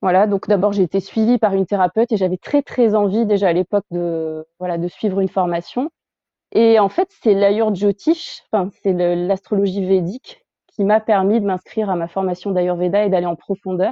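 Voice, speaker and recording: With fairly even intonation, a plain, everyday voice moves along at a moderate pace. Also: woman, medium pitch for a woman. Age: 40s. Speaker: English teacher. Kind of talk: casual chat.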